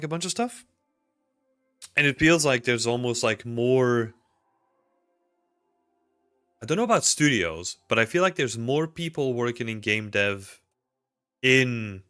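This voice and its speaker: Bright-voiced Belgian man chatting casually. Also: mid-range voice. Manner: rambling, filler-heavy, answers chat questions. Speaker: livestream host. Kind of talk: casual livestream chat with viewers. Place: small home room indoors. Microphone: desk mic with headphones.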